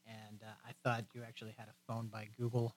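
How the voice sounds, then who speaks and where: A man's voice: on the low side, completely flat delivery, fast, darkish tone. Dry-witted male radio co-host. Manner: dry, brief replies. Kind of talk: casual radio talk show banter.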